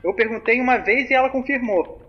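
A man's voice: extremely high pitch, brisk. Fields: Figure: a man playing a jittery young caller. Sound: muffled call. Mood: chatty. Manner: casual, slangy storytelling. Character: nervous young man telling a spooky story by phone. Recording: muffled phone-call recording, faint hiss.

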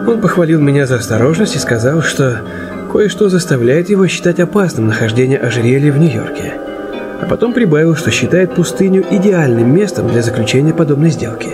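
An actor playing a courteous, cautious and worried jeweler in a radio play, with a measured delivery. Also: male voice, on the high side, expressive, lightly acted. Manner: measured, thoughtful. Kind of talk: Russian radio play, dialogue and narration. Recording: music playing behind the voice.

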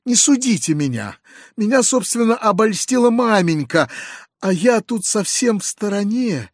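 A man's voice: sits high, big pitch swings, moderate pace, no room sound, studio quality, pitched above the performer's own voice. A man reading an audiobook, voicing a weak, ingratiating young nobleman pleading for friendship.

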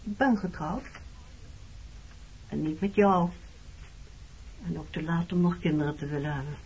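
A woman's voice: sits low, a little slow, a little mellow, breathy edge, full character voice. An actress playing a wounded, reproachful married woman in a Dutch radio play, speaking frankly about her past. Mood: bitter, subdued. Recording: dull, muffled old radio recording.

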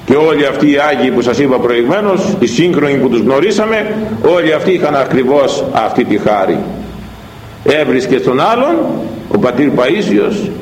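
A man delivers a sermon in a lively, swooping voice, acting out the lines of the people in his stories. His voice rings around a roomy, echoing hall. A faint noise sits behind him. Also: mid-range voice. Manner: storytelling, animated, acts out dialogue. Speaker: preacher. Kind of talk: sermon on a Bible verse with anecdotes.

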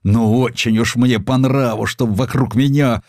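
A man's voice: mid-range voice, fairly even intonation, a little slow, darkish tone, dry recording, studio quality, voice pushed up, close to an everyday voice. A man voicing a meek, dreamy young provincial merchant, earnest and folksy, in an audio story.

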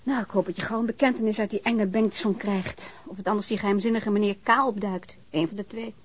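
A woman playing a lively, affectionate companion of a policeman in a radio drama. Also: medium pitch, a little fast, slightly rough, close to an everyday voice. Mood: fond, cheerful. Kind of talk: naturalistic radio drama acting.

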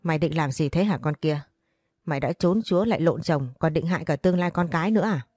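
A woman reading a story voices a frail, fierce and protective elderly grandmother in a low, mellow tone, with pleading, reproachful outbursts. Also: quick pace, dry recording, soft background music. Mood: scolding.

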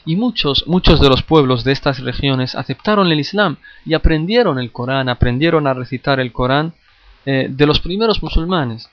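A man's voice: mid-range voice, expressive, moderate pace, no echo. Guy teaching a class, lots of uh and restarting, repeats himself, dry dull-sounding recording. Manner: repeats phrases, frequent hesitations and restarts; addresses listeners directly. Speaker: Islamic studies teacher. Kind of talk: classroom lecture.

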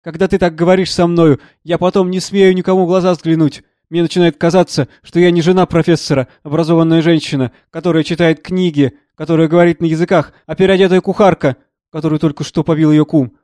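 A man's voice: a little high, fairly even intonation, fast talker, hardly any pauses, darkish tone, no room sound, studio quality, close to an everyday voice. A man reading a distraught, pleading professor's wife. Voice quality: tearful, pleading.

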